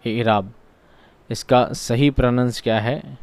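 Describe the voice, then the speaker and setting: A man's voice: medium pitch, fairly even intonation, slow, a little mellow, smooth. A man teaching an exam-prep lesson. He asks questions and answers them himself, and he repeats key words for drilling. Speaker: online teacher.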